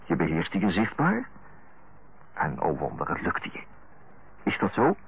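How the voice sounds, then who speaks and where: Deep, husky, earnest brother on tinny old radio. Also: male voice, wildly swooping pitch, measured pace, full character voice. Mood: insistent, gentle. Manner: hesitant, searching, self-correcting. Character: earnest, affectionate middle-aged younger brother, tactfully frank. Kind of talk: radio drama acting. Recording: tinny narrow-band old radio recording.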